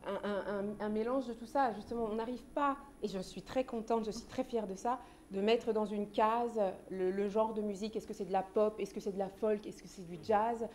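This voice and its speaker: A woman's voice: mid-range voice, steady tone, moderate pace, a little mellow, slight background noise. A woman from France, a singer being interviewed on a TV talk show, talking casually with frequent restarts. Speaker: guest singer.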